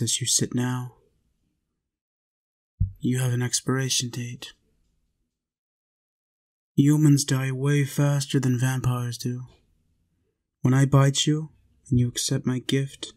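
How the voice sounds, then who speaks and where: A man playing a centuries-old but youthful vampire in an intimate roleplay audio, coaxing and possessive yet tender, speaking in deliberate short phrases with pauses. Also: medium pitch, a little mellow, natural voice. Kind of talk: intimate roleplay audio, slow monologue to listener.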